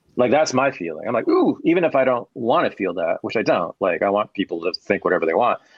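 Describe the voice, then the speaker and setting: A man with a Californian accent talks at a very fast pace. His tone is animated. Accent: General American, Californian. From US West Coast, Berkeley, California. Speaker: historian. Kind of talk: casual chat.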